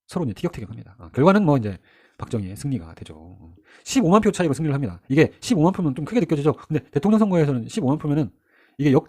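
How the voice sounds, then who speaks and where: Middle-aged male lecturer, mellow husky tone, brisk conversational exam-prep delivery. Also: on the high side. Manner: chatty, asks the listener rhetorical questions, acts out quoted figures. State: sore throat. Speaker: history lecturer.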